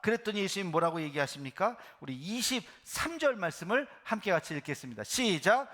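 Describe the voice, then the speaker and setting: Lively bright-voiced preacher man. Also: sits high, fairly quick. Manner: animated storytelling, acts out biblical voices; drops to a soft hush for emphasis. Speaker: pastor. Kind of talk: sermon. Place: church sanctuary.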